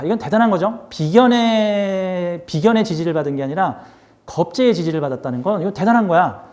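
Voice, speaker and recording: High-voiced man giving a lively lecture. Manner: lively, asks the class questions and answers them himself; switches between polite and casual speech. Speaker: fortune-telling teacher. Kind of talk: recorded class lecture.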